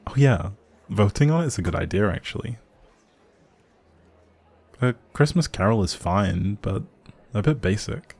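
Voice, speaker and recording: A man's voice: on the low side, animated, unhurried, gravelly, long pauses, darkish tone, slightly rough, heavily acted. A man playing a grumpy but secretly sweet young barista in an intimate audio roleplay, speaking straight to the listener in a teasing, wry, bookish way. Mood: amused, impressed. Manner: teasing, wry, hesitant asides.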